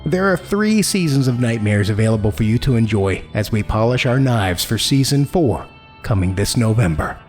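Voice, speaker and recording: A man's voice: mid-range voice, expressive, moderate pace, darkish tone. A man hosting a horror podcast, reading a scripted introduction in a theatrical, dramatic way. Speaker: podcast host and announcer. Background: music.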